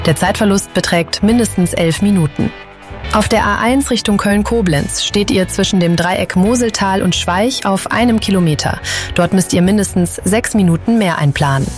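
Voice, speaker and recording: A woman presenting radio traffic and weather reports, addressing drivers informally. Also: mid-range voice.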